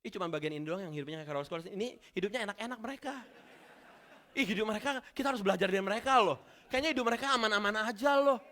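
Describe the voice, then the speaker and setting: A man preaching a sermon in a church, telling stories with slang and bursts of shouted reenactment. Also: sits high, racing. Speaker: pastor.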